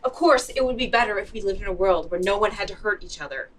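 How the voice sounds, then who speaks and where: A woman's voice: medium pitch, fast talker, fairly bright tone, far from the mic, close to an everyday voice. A woman playing a scrappy post-apocalyptic weapons seller in a comedic audio drama, with casual, rambling sales patter. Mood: offhand.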